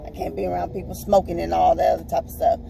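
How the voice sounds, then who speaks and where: A woman with a raspy voice, chatting to viewers from her car in a rambling, chatty way. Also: lowish voice, little pitch movement, fast talker, warm tone, slight background noise. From Texas, US. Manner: rambling, chatty, calls viewers y'all and honey. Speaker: vlogger. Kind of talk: casual chat to viewers while driving. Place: in a parked car.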